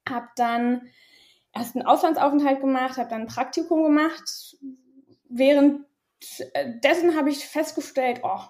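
A woman's voice: sits high, fairly even intonation, measured pace, a little mellow. A woman in her thirties from Berlin, raised bilingual in German and French, telling her story candidly as an interview guest, hesitant and full of fillers. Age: 30s. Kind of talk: personal interview.

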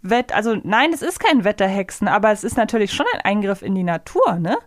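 A woman's voice: mid-range voice, sing-song, fast talker, no room sound, clean studio sound. A woman co-hosting a podcast in casual review chat, analytical and thinking aloud as she goes. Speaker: podcast co-host. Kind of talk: casual review chat about audio dramas.

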